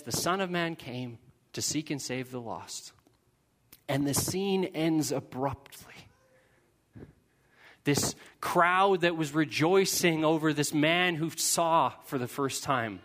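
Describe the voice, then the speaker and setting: A man preaching a sermon, telling a story with lively asides. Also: on the high side. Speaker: pastor.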